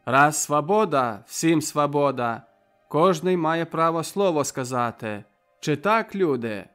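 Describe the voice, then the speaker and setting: A man voicing a burly middle-aged peasant man who shouts boldly to rally a crowd. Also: a little high, expressive, takes it slowly, clear, resonant tone, soft background music. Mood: bold, rousing.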